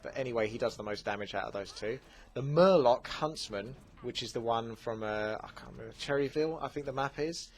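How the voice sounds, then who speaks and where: A man with an Essex accent reads out viewer questions and answers them in a relaxed, chatty way. His voice sits in a middle register, and he talks easily, with plenty of fillers. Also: medium pitch, a little fast. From England. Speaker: gaming channel host. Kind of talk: casual Q&A commentary.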